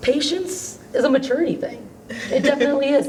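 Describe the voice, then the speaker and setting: Noticeable background noise and audible room echo surround the voice. It belongs to a woman speaking at a high pitch. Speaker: teacher. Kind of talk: casual chat. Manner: fast.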